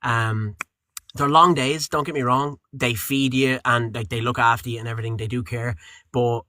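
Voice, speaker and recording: Guy voice actor, rambly, lots of ums, bright tone, dead dry sound. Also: mid-range voice, moderate pace, dry recording. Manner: rambling, relaxed, with frequent fillers and restarts. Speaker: voice actor and audiobook narrator. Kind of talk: casual interview chat.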